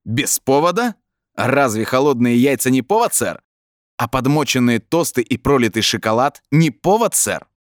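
A man's voice: mid-range voice, steady tone, a little fast, hardly any pauses, smooth, no room sound, studio quality, pitched above the performer's own voice, close to an everyday voice. A man voicing an irritable, haughty man who is losing his grip, with a snappish, defensive manner. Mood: indignant blustering.

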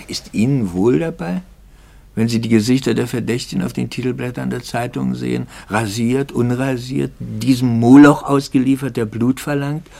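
An actor playing a troubled, doubting Catholic priest in a 1950s German radio play, brooding and intense, often dropping toward a whisper. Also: male voice, mid-range voice, creaky, darkish tone. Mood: bitter, intense.

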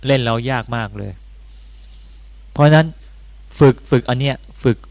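A man's voice: mid-range voice, normal speed, creaky, darkish tone, no echo. A man, a Buddhist monk, giving a conversational dharma talk with bursts of rising emphasis.

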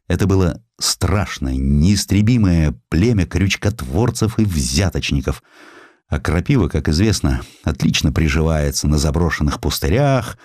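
A man reading a historical sketch as an audiobook narrator, in an expressive, theatrical storytelling style. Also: low voice, dry recording, studio quality. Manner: theatrical, dramatic storytelling delivery.

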